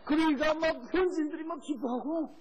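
A man preaching as a missionary, telling a story with lively acted-out quotes and frequent laughter. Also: very high-pitched, fairly quick, muffled recording. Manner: animated, acts out voices in quotes, laughs often. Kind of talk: sermon with storytelling.

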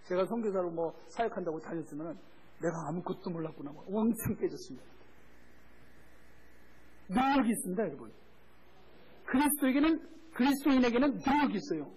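A man preaching as a missionary, telling a story with lively acted-out quotes and frequent laughter. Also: high voice, fast talker, pauses often, rough recording. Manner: animated, acts out voices in quotes, laughs often. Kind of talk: sermon with storytelling.

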